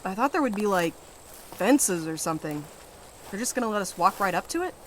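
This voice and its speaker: A woman's voice: mid-range voice, animated, normal speed, slight background noise, natural voice, low-quality recording. A woman acting a sarcastic, anxious, grumbling reluctant explorer in a naturalistic audio drama, with a dry, complaining delivery. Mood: sarcastic, irritated.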